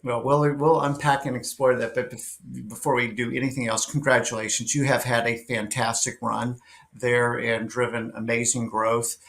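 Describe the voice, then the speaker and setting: A man's voice: mid-range voice, little pitch movement, normal speed, creaky, a bit bright. A man hosting an interview over a video call, reading a guest introduction and then chatting in an eager, affirming way with many ums and uhs. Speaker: talk show host. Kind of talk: interview, opening with a read introduction.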